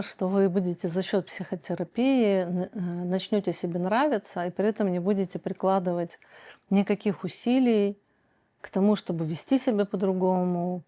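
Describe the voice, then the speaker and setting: A woman psychoanalyst answering viewer questions in a calm, slow, deliberate way, with frequent pauses and hesitant fillers. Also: medium pitch. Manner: reads viewer questions aloud, then answers directly. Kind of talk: calm measured advice monologue.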